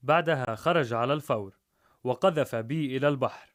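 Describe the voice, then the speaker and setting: A man narrating a rhymed story in a measured, rhythmic way. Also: mid-range voice.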